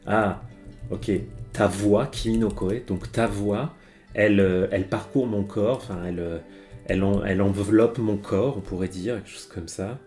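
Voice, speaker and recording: Man, live-stream language lesson, hesitant and halting, lowish voice, faint background music. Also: steady tone, darkish tone. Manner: hesitant, many fillers and restarts. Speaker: Japanese teacher. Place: home streaming setup.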